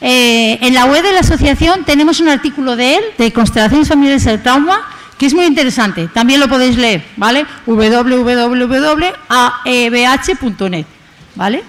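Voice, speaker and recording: In a conference hall, a woman opens the event as the association's host, introducing the guest speaker in a chatty, rambling way full of tag questions. Her voice is high-pitched and expressive, moving at a moderate pace.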